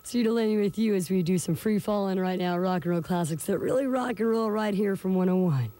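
Mellow-voiced American woman radio DJ. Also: medium pitch, a little fast. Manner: breezy, playful, slangy. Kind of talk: upbeat rock radio presenting, chatty patter. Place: small radio studio. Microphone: close studio microphone on boom arm.

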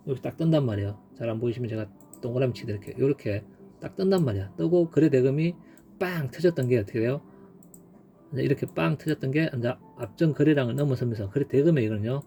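This casual screen-share chart lesson features a man with a dark, mid-range voice teaching stock trading. He stays emphatic and relaxed, going over key points again and marking them with sound effects.

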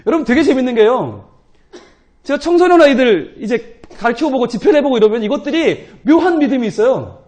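A male pastor preaching at a church prayer meeting, animated and humorous, acting out people's inner voices. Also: extremely high pitch, a little fast. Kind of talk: sermon.

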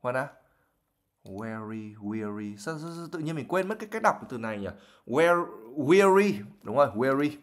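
A man's voice: fairly high pitch, big pitch swings, racing, hardly any pauses. A man teaching English vocabulary on a livestream, explaining words patiently with many fillers.

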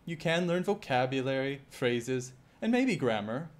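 A male IELTS teacher giving a scripted lesson, speaking clearly and measuredly and putting rhetorical questions to the viewer. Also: mid-range voice, very animated, a little slow.

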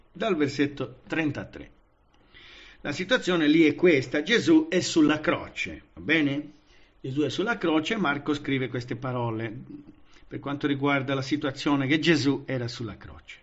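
This recording is muffled, and the man's fairly high voice moves at a measured pace as he leads a Pentecostal Bible study. Emphatic and lively, he often restarts or uses fillers, repeatedly asking his audience "vedete?" and "capite?" to make sure they follow.

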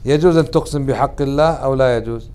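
A man's voice: medium pitch, racing, mellow, smooth. A man, a sheikh teaching a religious lesson who keeps putting questions to his listeners and mixes colloquial words into formal speech. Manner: questions the audience often, then answers himself.

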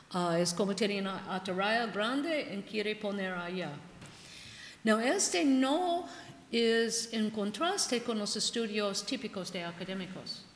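An older woman with an English accent lectures from a panel table, halting and filling pauses with "ah" and "ok". Her voice sits at a middling pitch and rings through a large hall with a long, roomy reverb. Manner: halting, frequent "ah" and "ok", gestures widely. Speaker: linguist giving a conference talk. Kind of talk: academic lecture. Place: large ornate conference hall.

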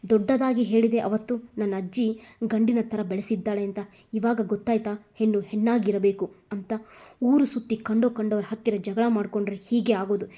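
A woman voicing an angry young man who harshly lectures a girl in quick, loud bursts. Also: medium pitch, steady tone, lightly acted. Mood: angry scolding.

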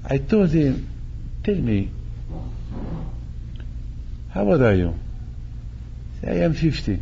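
An older Moroccan rabbi delivers a slow sermon into a chest-height stand mic in a synagogue hall, animated and gesturing as he repeats phrases and acts out quoted dialogues. His medium-pitched voice is dark and mellow with vocal fry, and the sound is a bit dull with a faint hum behind it.

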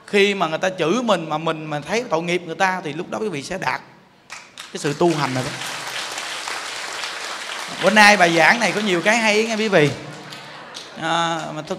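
A man giving a Buddhist dharma talk, animated and colloquial, joking with his listeners. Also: sits high, a little hiss or hum. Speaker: Buddhist monk teacher. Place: temple hall. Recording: long hall reverb.

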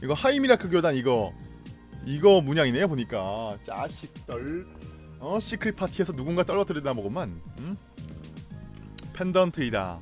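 A young man streaming a game live, reacting loudly, laughing and greeting viewers. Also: fairly high pitch, very animated, moderate pace, soft background music.

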